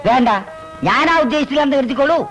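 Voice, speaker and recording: A man's voice: extremely high pitch, fast talker, fairly bright tone, soft background music. A domineering old astrologer father. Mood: ingratiating. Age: older. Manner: domineering, blustering. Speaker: retired village astrologer, father. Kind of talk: 1990s Malayalam film dialogue.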